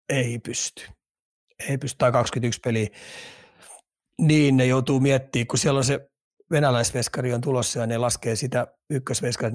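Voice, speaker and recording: A man's voice: medium pitch, darkish tone, no echo. Man, podcast co-host, rambling hockey guesses, repeats words, dry close mic. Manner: speculative, rambling, repeats words while thinking. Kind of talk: casual sports podcast chat.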